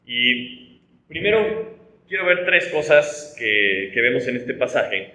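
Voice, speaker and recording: A man's voice: mid-range voice, sing-song, slow pace, bright, forceful tone, reverberant, low-quality recording. A man from Mexico with a Mexican Spanish accent, a pastor teaching a conversational Bible study, explaining with rhetorical tags and frequent restarts.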